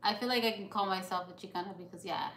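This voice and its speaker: A woman's voice: mid-range voice, quick pace, fairly bright tone. A young woman from California chatting casually at home, slipping into Spanish and laughing often. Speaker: vlogger. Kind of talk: casual chat. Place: home kitchen, indoors. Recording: roomy kitchen echo.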